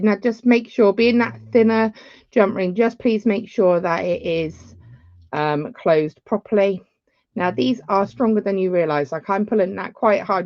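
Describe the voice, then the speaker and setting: A woman's voice: on the low side, dry recording, lo-fi sound. A woman, giving a chatty live beading tutorial with rambling asides. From England.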